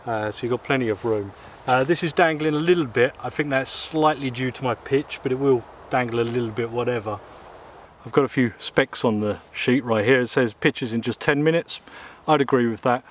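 A man's voice: mid-range voice, fairly quick, slight background noise. A man, chatting casually through an outdoor gear review in the woods, with plenty of ums and uhs. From England. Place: woodland outdoors, in and beside a small tent. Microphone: camera mic, close and at mid distance.

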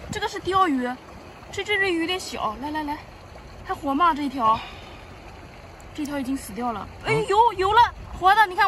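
High-voiced woman vlogging at the seashore, all excited yelps, mic kinda far off, lots of background noise. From Shandong, China. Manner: lively, exclamatory, full of delighted cries. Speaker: seaside foraging vlogger. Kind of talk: excited live commentary while foraging. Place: rocky seashore outdoors. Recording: distant mic with loud outdoor ambience.

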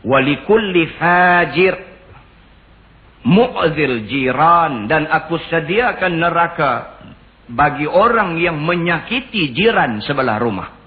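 Man preaching, slow chanted verses then stories, fairly high voice, sounds like a phone line. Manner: storytelling, slow chanted Arabic recitation. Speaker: religious teacher. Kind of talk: sermon. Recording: tinny phone-like lo-fi recording.

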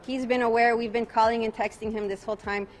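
Speaking fast in a fairly high voice, a tired-sounding attorney in her forties calmly takes reporters' questions at a nighttime outdoor press conference. She echoes each question back before answering, speaking into a bank of press microphones.

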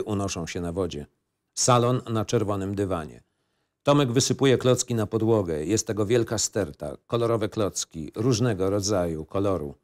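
A man reading scene descriptions and stage directions as scripted narration. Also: lowish voice.

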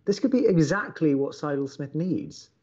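A man playing an earnest, love-struck young college radio host in an audio drama, speaking in a deliberate, pleading way. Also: a little high, animated, mellow, highs cut off, lightly acted. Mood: insistent. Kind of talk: naturalistic audio drama acting.

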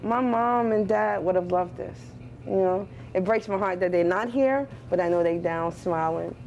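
A woman's voice: on the low side, moderate pace, darkish tone, muffled recording, soft background music. A middle-aged woman, a cafe owner, speaking earnestly and from the heart in an interview, with fillers, inside her cafe. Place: indoors in a cafe.

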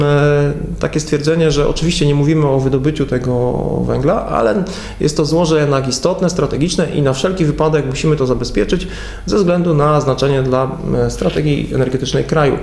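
A man in his forties, a county head, answering in a local TV studio interview, measured and full of hesitations. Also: a little high, gravelly, a little mellow. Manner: measured, hesitant with many fillers. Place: TV studio at a table. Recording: echoey studio room.

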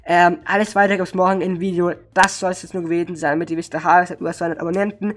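A hoarse man giving a casual update to viewers as a streamer, excited and overwhelmed, repeating words for emphasis. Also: high voice, racing, a little hiss or hum. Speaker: streamer and gaming video creator.

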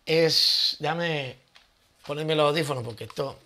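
A man's voice: fairly high pitch, a little slow, bright, forceful tone. A man hosting his own channel, giving casual Bible teaching with rhetorical questions and thinking aloud.

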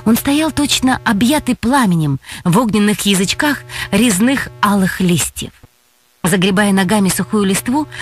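A woman narrating a children's audio tale with expressive storytelling. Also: mid-range voice, husky.

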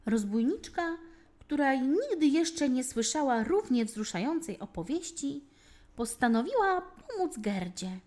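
Female fairy tale narrator for children: high-pitched, unhurried, very melodic and expressive delivery. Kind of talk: scripted children's storytelling.

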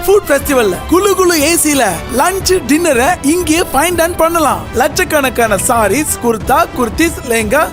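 A woman's voice: lively intonation, moderate pace. A woman doing an upbeat, colloquial advertising voice-over mixed with English phrases. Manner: upbeat sales pitch. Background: prominent music.

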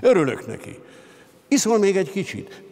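A man voicing a composed male official who calmly lays out the steps for moving a prisoner, speaking in measured, businesslike instructions. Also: high voice, gravelly, voice pushed up, heavily acted. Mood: solicitous. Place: concert hall stage at a literary gala. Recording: long hall reverb.

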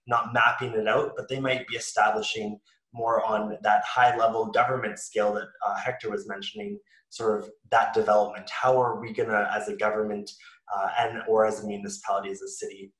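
A man's voice: fairly low pitch, flat delivery, fairly quick, fairly bright tone. Hesitant male webinar host, echoey. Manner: hesitant, many fillers. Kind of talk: casual webinar presentation.

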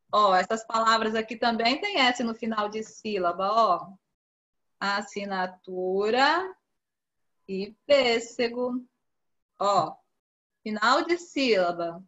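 A patient woman teacher guides young pupils through a spelling task over a video call. Her bright, fairly high voice stays clear and coaxing. The audio sounds dull and lo-fi. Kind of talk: online class for young children.

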